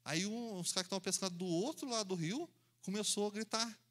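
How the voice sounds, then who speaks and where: Man, preacher, lively storytelling sermon, acts out sounds and voices, fairly high voice. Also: fast talker. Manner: animated, acts out voices and sounds, laughs while telling.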